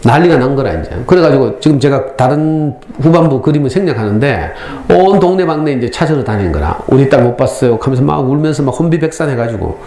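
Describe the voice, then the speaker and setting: Lively Gyeongsang man lecturing in echoey hall. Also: mid-range voice, slight background noise. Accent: Gyeongsang Korean. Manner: lively storytelling, acts out lines. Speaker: parenting lecturer. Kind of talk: parenting lecture to a school audience. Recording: echoey hall, faint ambience.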